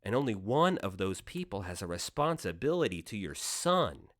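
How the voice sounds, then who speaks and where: A man's voice: fairly low pitch, sing-song, normal speed, fairly bright tone. Man playing a sly, theatrical devilish deal maker. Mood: persuasive. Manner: persuasive, sardonic, mock-folksy speechifying. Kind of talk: radio play acting.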